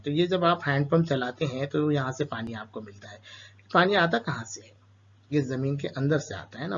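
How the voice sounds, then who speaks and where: A man teaching a school lesson to children, asking questions and answering them himself, with an Urdu-speaking Indian accent. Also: on the high side. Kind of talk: explaining a school chapter to children. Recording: dull lo-fi sound.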